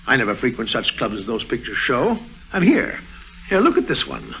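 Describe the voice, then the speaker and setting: A man's voice: medium pitch, huge pitch swings, moderate pace, creaky, fairly bright tone, exaggerated voice, low-quality recording. A harried middle-aged governor, urgent and earnest as he presses his case. His voice sits in a plain middle range. A faint hiss runs under the old radio broadcast. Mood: pressured. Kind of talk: 1950s radio drama acting.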